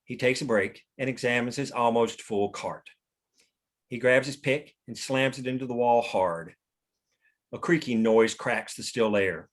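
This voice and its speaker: A man's voice: mid-range voice, measured pace. A man narrating stage directions at a scripted table read.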